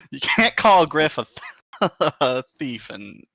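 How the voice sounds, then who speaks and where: Playful, gravelly man player, lively voice. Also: a little high, no room sound, low-quality recording. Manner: playful, laughs often. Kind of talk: casual tabletop play.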